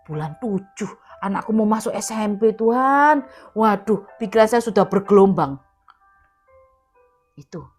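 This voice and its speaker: A woman preacher giving an emphatic sermon at an online prayer meeting. She repeats key words and acts out quoted dialogue. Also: high voice. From Indonesia.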